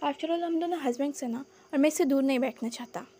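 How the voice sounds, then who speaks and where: A woman's voice: high-pitched, quick pace, dark tone, natural voice. A woman voicing a bold young man who teases and dotes in an insistent, playful way. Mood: teasing.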